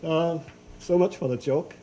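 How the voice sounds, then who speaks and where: Older man lecturing, mellow voice. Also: on the high side, slight background noise. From Hong Kong. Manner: unhurried, with frequent fillers and restarts. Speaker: invited professor giving a symposium talk. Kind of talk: academic lecture. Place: lecture hall.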